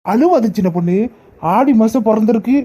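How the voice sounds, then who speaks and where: A woman's voice: sits high, lively intonation, moderate pace, darkish tone. A woman voicing a grown husband in a cartoon comedy, speaking with a Kanyakumari Tamil accent, pleading and later smug. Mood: consoling. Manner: pleading, then smug and gloating. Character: grown husband, clingy then gleefully relieved.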